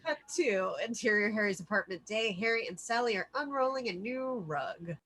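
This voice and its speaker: Narrator: woman, bright and fairly high voice, reads screenplay stage directions for a table read. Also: moderate pace.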